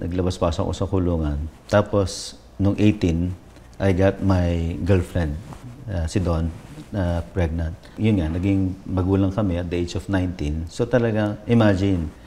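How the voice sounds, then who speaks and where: Sharing his personal testimony as an interview guest, this man, a pastor, speaks reflectively and alternates Tagalog with English. He has a warm, low voice, and there's slight background noise.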